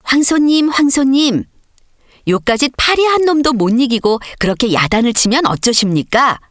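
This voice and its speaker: A woman's voice: fairly high pitch, sing-song, moderate pace, no echo, studio quality, pitched above the performer's own voice. A woman voicing a small, clever, proud spider in a storybook fable. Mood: teasing.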